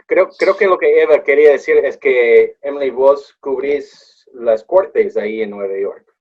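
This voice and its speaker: A man speaks at a fairly slow pace with an English accent. He hardly pauses at all. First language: English (speaking Spanish). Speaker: investigative journalist. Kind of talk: interview.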